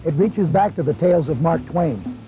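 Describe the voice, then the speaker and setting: A man's voice: fairly high pitch, animated, normal speed. A man hosting a television nature documentary, reading scripted introductions. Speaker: television show host. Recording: dull lo-fi sound with music.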